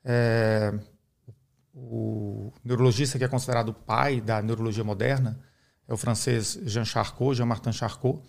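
Measured middle-aged man explaining neurology. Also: mid-range voice, steady tone, creaky. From Brazil. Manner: measured, didactic, uses many "né?" tags. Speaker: neurologist guest. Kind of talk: explanatory podcast interview.

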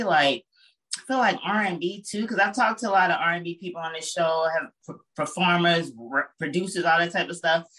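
A woman's voice: lowish voice, a bit bright, far from the mic, poor audio. A woman in her forties hosting a podcast interview, chatting loosely with many fillers. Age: 40s. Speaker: podcast host. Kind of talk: casual interview chat.

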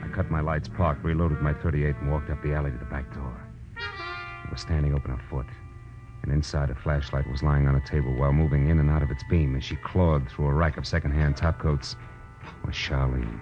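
Deep-voiced hard-boiled radio detective. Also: male voice, steady tone, fairly quick. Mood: wry narration. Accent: American. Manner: hard-boiled, clipped, slangy. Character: tough, wisecracking male private detective. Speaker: radio drama actor, lead and narrator. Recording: muffled old radio recording, background music.

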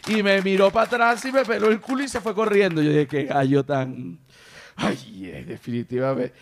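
A man hosting a podcast, telling anecdotes in a casual, animated way. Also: high voice, normal speed, slight background noise. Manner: animated storyteller, mimics animal cries. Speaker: podcast host.

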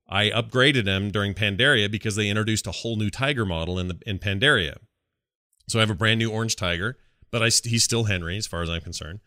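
Man, podcast host, bright forceful voice, dry close sound, casual enthusiastic gamer chat. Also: lowish voice, dry recording. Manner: enthusiastic, informal.

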